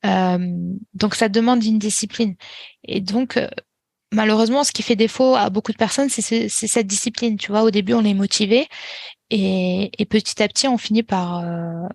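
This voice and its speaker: Woman, Quran teacher, podcast guest; calm instructive advice, middle pitch, dry studio sound. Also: moderate pace, gravelly, no echo. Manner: calm and instructive, many small restarts and fillers. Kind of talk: podcast interview, giving advice.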